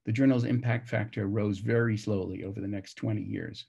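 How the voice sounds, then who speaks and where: A man with a gravelly, husky voice giving a prepared conference presentation in a measured, formal, explanatory way. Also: on the low side, fairly even intonation, dark tone.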